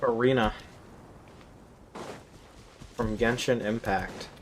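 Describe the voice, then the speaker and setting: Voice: mid-range voice, steady tone, slow, background noise. A game streamer giving casual, wry, joking live commentary.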